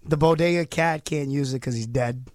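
A male radio host, hoarse from losing his voice, hyping up his show with joking, showy banter in a studio. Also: fairly high pitch, darkish tone, dry recording. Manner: showy, joking, rapid riffing introductions. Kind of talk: playful, hyped radio banter. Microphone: studio microphone.

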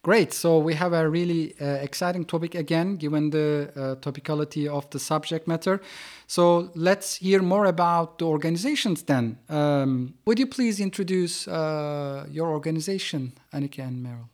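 A man's voice: on the high side, normal speed, darkish tone. A man hosting a podcast panel discussion from an office, speaking with frequent hesitations and fillers. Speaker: podcast host.

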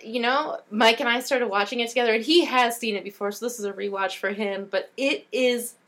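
A woman's voice: on the high side, a little fast, a bit bright. A young woman co-hosting a casual chat, earnest and enthusiastic as she recommends things. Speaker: podcast co-host.

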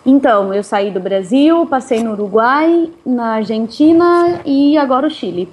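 A woman's voice: a little high, lively intonation, normal speed, darkish tone, slightly rough. Chatty woman, laughs often. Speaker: interviewee, touring cyclist. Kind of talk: casual interview chat.

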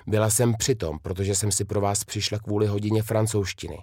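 A man's voice: on the low side, steady tone, darkish tone, no echo, clean studio sound. A man reading a children's storybook, voicing a kind, firm young female governess who explains things emphatically. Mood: explaining.

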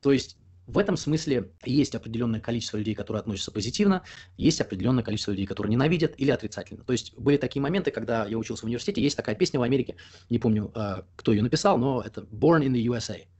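A young man talks fast in a slightly husky voice. He is a guest in a casual interview. He argues his views at length and leans on fillers while he collects his thoughts. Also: medium pitch, animated, darkish tone. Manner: talkative, opinionated, explains at length with frequent fillers.

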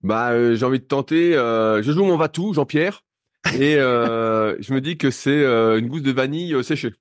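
A man's voice: mid-range voice, dry recording. Man, podcast co-host, mid-range voice, teasing and playful, dry close-miked sound. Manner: joking, quick teasing replies. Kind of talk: casual chat.

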